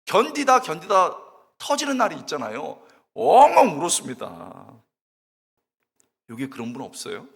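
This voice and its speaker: Male pastor, middle-aged, lively sermon delivery, breathy tone, echoey sanctuary. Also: fairly high pitch, brisk. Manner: storytelling, shouts and wails while acting out his own tearful prayer; addresses the congregation directly with questions. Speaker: pastor, guest preacher. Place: church sanctuary.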